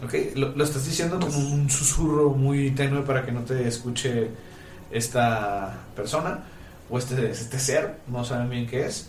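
Speaking at a fairly slow pace with a Mexican accent, a man's medium-pitched voice comes through audible room echo and noticeable background noise. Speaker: game master. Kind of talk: tabletop role-play narration. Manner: animated.

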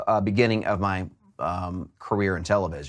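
Against a quiet background, a man with an American accent speaks at a moderate pace with a fairly low pitch and fairly even intonation. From US Southeast. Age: 40s. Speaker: video editor with Asperger's. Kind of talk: interview.

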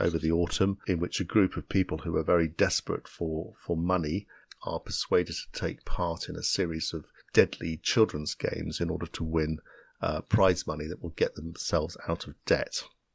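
With a British accent, a man speaks at a moderate pace with a very deep, low pitch and a monotone, flat intonation. The recording is very clean with a silent background, and the sound is dry and close with no echo. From UK. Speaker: TV format creator and podcast host. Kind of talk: casual chat.

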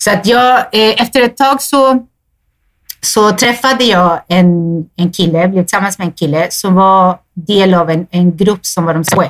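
The speech, in a Spanish accent, moves at a fairly slow pace with ordinary pitch variation. Its loudness stays very even. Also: woman, medium pitch for a woman. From Sweden. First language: Spanish (speaking Swedish). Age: 40s. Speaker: guest, cousin of host. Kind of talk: casual chat.

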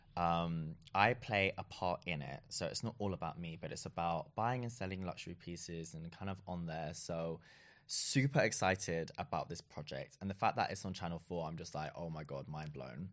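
Over a very clean recording with a silent background, a man talks at a moderate pace in a very deep, low pitch with ordinary pitch variation. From London (Shoreditch), England. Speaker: beauty influencer and content creator. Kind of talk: casual interview chat.

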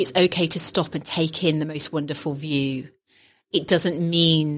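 A woman's very deep, low pitch in a monotone, flat intonation at a fairly slow pace, on a very clean recording with a silent background. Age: 40s. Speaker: trail runner and activist. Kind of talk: interview. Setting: outdoor expo.

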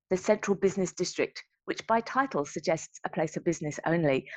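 A woman speaks in a southern English accent with a passionate tone, at a moderate pace and with ordinary pitch variation. The sound is dry and close with no echo, against a quiet background. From England (Brighton/London). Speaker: urban planning consultant. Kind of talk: interview conversation. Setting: remote call. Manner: passionate, articulate.

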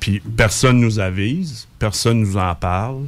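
A man speaking at a very slow pace. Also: very clean recording, silent background. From Quebec, Lévis (Saint-Nicolas). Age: 40s. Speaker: resident activist. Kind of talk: interview. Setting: studio.

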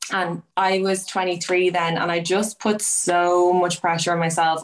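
A woman with an Irish accent, fairly low pitch, and monotone, flat intonation. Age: 30s. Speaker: model and social media personality. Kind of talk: casual interview. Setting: video call.

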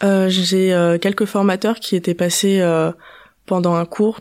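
A woman speaks at a moderate pace. She has a normal speaking voice. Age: 20s. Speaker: hospitality apprentice. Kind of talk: testimony.

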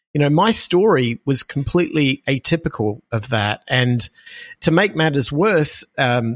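A man speaks with an Australian accent. The recording is very clean, with a silent background and a dry, close sound with no echo. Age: 50s. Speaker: podcaster and website owner. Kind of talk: interview conversation.

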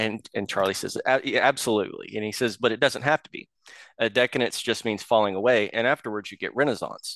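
A man talks very fast in an American accent, with big swings in loudness. The sound is dry and close with no echo, over a quiet background. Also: medium pitch for a man, fairly even intonation. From Oklahoma. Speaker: novelist and army veteran. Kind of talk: casual interview.

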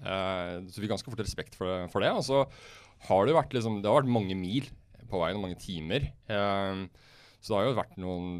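A man talks at a moderate pace in a fairly low pitch with ordinary pitch variation. He has a plain, everyday voice. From Norway, Østfold (Hvaler). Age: 40s. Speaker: car company communications director. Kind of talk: casual chat. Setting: studio.

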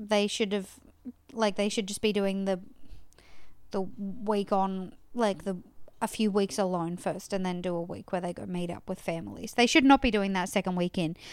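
A woman with an Australian accent, medium pitch and fairly even intonation. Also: moderate pace. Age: 20s. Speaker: podcast co-host, performer. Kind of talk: casual chat. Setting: home recording.

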